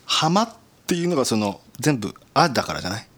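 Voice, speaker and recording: A man's voice: mid-range voice, big pitch swings, fast, fairly bright tone, husky. A man hosting a podcast in casual chat, joking and mocking himself. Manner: joking, self-mocking, laughs often. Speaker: podcast host.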